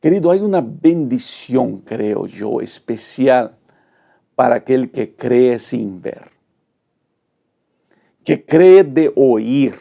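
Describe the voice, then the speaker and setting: A man's voice: mid-range voice, expressive, slow pace, creaky, pauses often, mellow. A middle-aged male pastor, teaching a Bible study lesson with dramatic, emphatic delivery and rhetorical lists.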